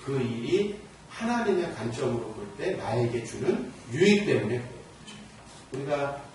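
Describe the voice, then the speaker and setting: A male pastor preaching a Sunday sermon, moving between soft confiding passages and loud emphatic ones, recorded in a church sanctuary. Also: mid-range voice, a little hiss or hum. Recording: echoey church hall, mic far off.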